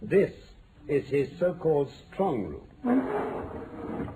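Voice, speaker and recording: An actor playing a confident, precise detective with a British accent, lecturing articulately in vintage radio mystery style. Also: male voice, fairly high pitch, huge pitch swings, drawn-out words, full character voice. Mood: grave, dramatic. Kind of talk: 1940s-50s radio mystery acting. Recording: noisy old-time radio recording.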